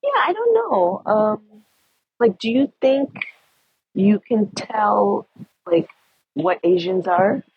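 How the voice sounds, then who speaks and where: A woman's voice: medium pitch, lively intonation, takes it slowly, pauses often, husky, muffled recording. A woman who is a podcast guest, telling stories in a casual chat and laughing often. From United States. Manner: laughs often, chatty storytelling.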